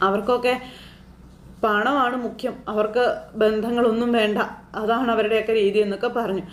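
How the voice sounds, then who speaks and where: A woman with a fairly high voice retells a TV serial episode in a chatty, animated way. She keeps tossing friendly asides to the listener. Her voice rings in a noticeably echoey room. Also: normal speed, a little hiss or hum. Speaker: serial recap storyteller.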